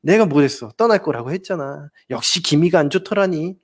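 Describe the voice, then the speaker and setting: A man's voice: a little high, expressive, fairly quick. A man acting out an insecure partner who keeps fearing being left and needles the other person with suspicion. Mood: smug. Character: clingy insecure partner, always fearing abandonment.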